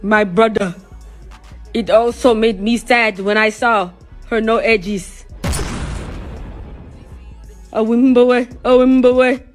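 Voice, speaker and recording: A woman putting on the voice of a Nigerian man to mock him, drawling slowly and loudly. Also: a little high, steady tone, faint music behind. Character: mocking put-on Nigerian man.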